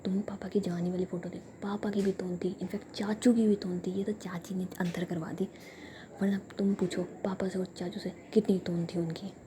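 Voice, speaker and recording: A woman's voice: on the low side, flat delivery, moderate pace, a little hiss or hum, close to an everyday voice. Jiya, a sulky playful young woman, whispered by a woman. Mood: indignant. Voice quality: soft whisper. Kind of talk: whispered storytelling.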